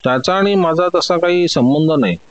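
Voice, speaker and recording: A man's voice: fairly high pitch, no room sound, lightly acted, poor audio. A man voicing an older male diamond merchant who is proud and indignant, protesting every accusation. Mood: astonished. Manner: protesting, quick to take offence.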